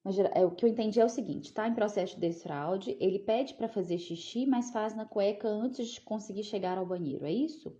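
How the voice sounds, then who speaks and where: A woman's voice: medium pitch, brisk, hardly any pauses, warm tone. A woman, a psychologist answering viewer questions in a chatty live talk, often checking in with "né?". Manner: chatty, often asks "né?", talks to viewers as "gente". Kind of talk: casual live Q&A.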